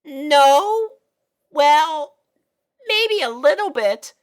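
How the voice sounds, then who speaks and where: A woman acting young cartoon filly, very high squeaky voice, nervous, meek, hesitant, swooping pitch. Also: expressive, drawn-out words, full character voice. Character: young filly, nervous, flustered, lovestruck little sister.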